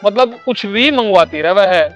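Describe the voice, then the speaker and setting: A woman's voice: mid-range voice, normal speed, soft background music, natural voice. A woman playing a henpecked young village son who grumbles wearily about his wife and mother. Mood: complaining. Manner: grumbling, weary complaining. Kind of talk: rustic comedy skit acting.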